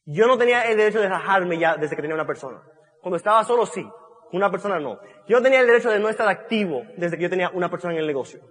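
At a business event, a motivational speaker addresses an audience emphatically, repeating key phrases and restarting mid-sentence. His high voice is animated, very fast and a bit bright, carried by the long reverb of a large hall.

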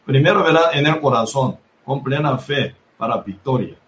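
A man preaching a sermon in language Bible teaching style, halting and repetitive, tagging nearly every phrase with a soft "¿verdad?". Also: medium pitch. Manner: constant tag question "¿verdad?" dropping soft after each phrase. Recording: echoey room with faint ambient noise.

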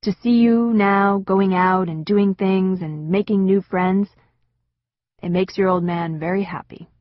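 Woman voicing a gentle, sentimental father. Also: medium pitch, steady tone, unhurried, no room sound, muffled recording, natural voice. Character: kind middle-aged father, gentle and sentimental.

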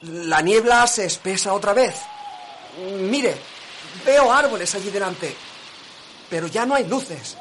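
High-voiced, nervous reluctant coachman. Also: expressive, slow, long pauses, fairly bright tone, slight background noise, full character voice, low-quality recording. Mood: anxious. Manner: hesitant, protesting. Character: nervous, reluctant young coachman, servile and fearful. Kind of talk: Spanish-language radio drama acting.

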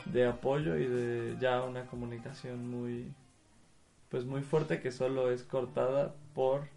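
A man co-hosting a podcast who reflects on a film in a relaxed, conversational way. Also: mid-range voice, slow, gravelly, faint music behind. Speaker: podcast co-host. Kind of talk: casual film discussion.

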